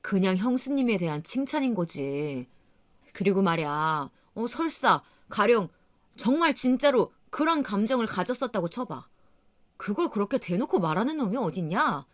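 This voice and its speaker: A woman's voice: medium pitch, sing-song, normal speed, natural voice. A woman voicing an exasperated young husband who brushes off an accusation in blunt, dismissive talk.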